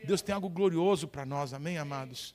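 A male pastor with a Brazilian accent preaches a fervent sermon. He keeps calling to the congregation for responses. His voice is high for a man. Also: brisk, darkish tone. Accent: Brazilian Portuguese. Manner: fervent, repeated call-and-response.

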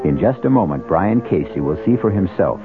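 Deep, portentous radio mystery host. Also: male voice, expressive, brisk. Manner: theatrical, portentous. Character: ominous male host of suspense mystery show. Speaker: host narrator. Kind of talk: dramatic 1970s radio narration. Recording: tinny old radio broadcast, music behind.

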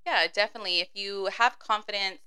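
A woman's voice: medium pitch, fast talker, sharp tone, clean tone. A woman in her thirties, a guest on a casual chat, agreeable, often saying yes and laughing. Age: 30s. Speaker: guest, boutique owner.

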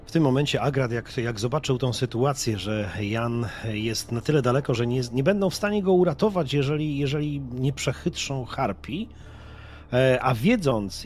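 A man's voice: mid-range voice, a little hiss or hum. A man playing a tabletop game, narrating what his character does. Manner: narrates his move, then acts out a shouted taunt. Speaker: player.

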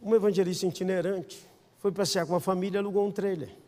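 Man, Brazilian accent, pastor, animated sermon storytelling, high voice, long reverb. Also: fast. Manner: animated storyteller, acts out quotes, swings from shouting to hushed. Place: church.

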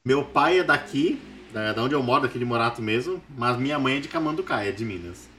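A man with a São Paulo accent chatting casually as a game master, lively and quick to laugh. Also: medium pitch, a little hiss or hum. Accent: São Paulo Portuguese. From São Paulo state, Brazil. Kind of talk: casual chat.

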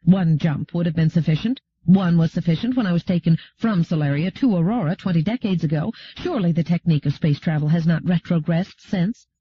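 A man voicing a stern, proud woman aristocrat who speaks in a clipped, sharp way. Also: fairly high pitch, fairly quick, hardly any pauses, slightly rough. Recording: dull lo-fi recording.

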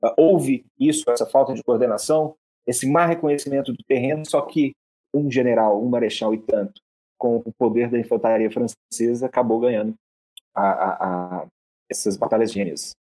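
Man, history host, casual lecture, halting delivery, frequent restarts, mid-pitched voice. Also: mellow. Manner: halting, with many repeated syllables and restarts.

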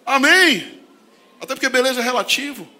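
A pastor from Brazil with a high, very bright and ringing voice preaches to his congregation. He moves between shouted emphasis and quiet, intimate asides, laughing often as he goes. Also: expressive, brisk. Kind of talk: sermon.

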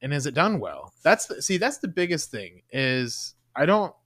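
A woman's voice: low voice, very animated, normal speed, a bit bright, no room sound, studio quality. A woman co-hosting a podcast in a casual chat, blunt and emphatic, swearing freely. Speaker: podcast co-host.

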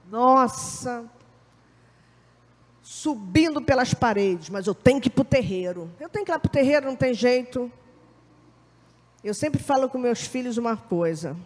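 A woman who leads an Umbanda house, giving a lively lecture to a congregation. She acts out the voices she quotes and often asks her listeners to agree. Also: a little high. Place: temple hall. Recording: reverberant hall.

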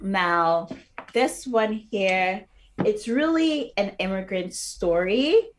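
A woman's voice: mid-range voice, expressive, slow, slight background noise. Earnest woman describing her books. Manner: earnest, many fillers and restarts. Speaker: children's book author. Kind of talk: casual interview talk.

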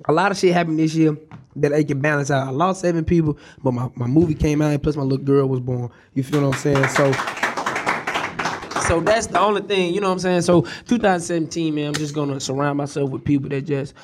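A young man co-hosting a comedy podcast, excitable and profane, his voice jumping high when he gets worked up. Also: fast, a little hiss or hum. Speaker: podcast co-host. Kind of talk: casual comedic banter.

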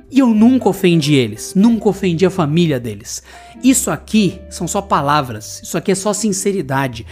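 A man with a Brazilian Portuguese accent hosting a solo podcast, telling a story in a blunt, profane, indignant rant. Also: high-pitched. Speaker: podcast host. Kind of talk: solo podcast monologue, ranting anecdote.

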